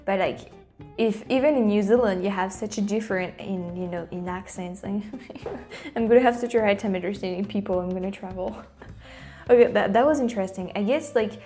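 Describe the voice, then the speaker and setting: A woman's voice: mid-range voice, a little fast, dark tone, soft background music. A young woman with a French accent, a YouTuber chatting casually to camera from a small room, often restarting and dropping into whispers. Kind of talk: casual vlog chat.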